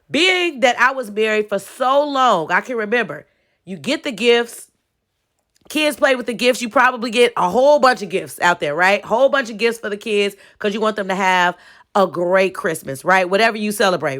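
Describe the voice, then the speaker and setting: A woman's voice: medium pitch, fairly bright tone. A woman hosting her own podcast, talking casually to listeners with a stuffy nose. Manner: chatty, folksy, addresses listeners as y'all, frequent "okay?". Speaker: podcast host. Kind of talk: casual solo podcast talk.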